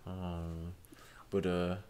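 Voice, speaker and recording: A young man with a slightly low voice hosts an unscripted chat. He rambles loosely, stacks up fillers and restarts, and swears in passing. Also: monotone, very slow, warm tone, clean tone. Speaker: host. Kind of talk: improvised casual commentary.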